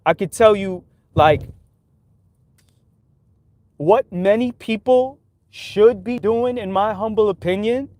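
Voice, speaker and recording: A man's voice: high voice, slow, pauses often, darkish tone, no room sound. Chatty New guy, street talk. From New York City. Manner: loose street talk full of "like", "yo" and "right?". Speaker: livestreamer. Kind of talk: casual opinionated monologue.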